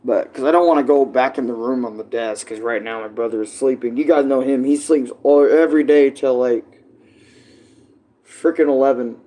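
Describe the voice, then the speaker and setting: A man's voice: medium pitch, moderate pace, warm tone. A young man vlogging from home with a tablet mic, rambling casually with lots of fillers, his voice a little froggy. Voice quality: froggy voice at times. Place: at home, in a kitchen. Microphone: tablet propped up nearby.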